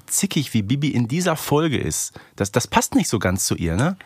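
Animated male podcast host. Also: mid-range voice, moderate pace, husky, no room sound, studio quality. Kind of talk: casual, animated fan-podcast chat.

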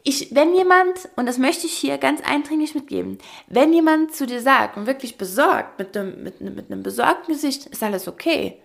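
A young woman co-hosting a podcast, telling a story in lively casual chat and acting out quotes. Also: high-pitched, brisk, vocal fry, few pauses. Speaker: podcast co-host.

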